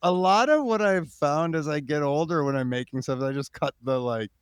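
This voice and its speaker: A man hosting a casual interview podcast, informal and halting as he thinks aloud. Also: on the high side, clear, resonant tone, dry recording. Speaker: podcast host.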